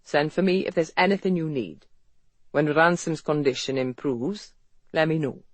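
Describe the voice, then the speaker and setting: A narrator voicing a dry, amused Welsh businessman with a Welsh accent, speaking low and frankly. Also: moderate pace, dry recording, lightly acted.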